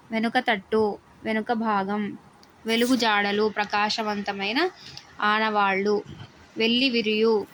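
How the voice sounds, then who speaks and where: A woman's voice: mid-range voice, fairly bright tone, a little hiss or hum. A woman teacher reads out word meanings for exam study, repeating each one and often checking in with the class.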